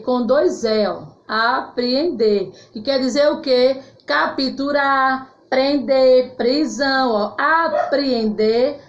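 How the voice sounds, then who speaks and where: A Brazilian woman teacher with a high voice explains words slowly, one at a time, to young pupils and affectionately checks that they follow along. Her voice rings in an echoey room. The recording sounds somewhat muffled. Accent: Brazilian Portuguese. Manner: slow, clearly spelled-out words with frequent "tá certo?" check-ins; affectionate, calls pupils "meus amores". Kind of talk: grammar lesson for children.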